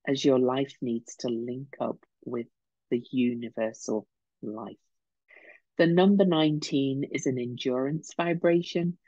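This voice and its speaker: A woman in her fifties with a slightly croaky throat, explaining informally as an astrology podcast host, reflective and often pausing mid-phrase. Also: a bass voice, dark tone, dry recording, lo-fi sound. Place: small home room, indoors.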